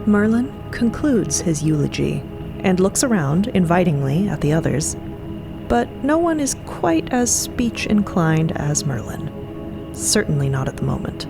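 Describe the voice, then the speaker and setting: A woman's voice: lowish voice, big pitch swings, a little slow, creaky, over music, rough recording. A woman narrating an audio drama in a wry, playfully conversational storytelling style.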